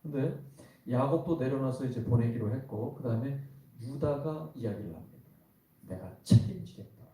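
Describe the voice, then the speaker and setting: Mellow-voiced male pastor in an echoey hall. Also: medium pitch, normal speed, slight background noise. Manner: conversational preaching with rhetorical questions to the congregation. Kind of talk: sermon. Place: church worship hall. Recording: very echoey hall, voice from some distance.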